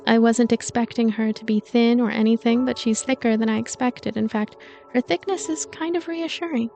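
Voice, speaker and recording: A woman reading a visual novel aloud in an expressive storytelling way, with casual commentary asides. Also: on the high side, moderate pace, vocal fry. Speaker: let's play narrator and commentator. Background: game music.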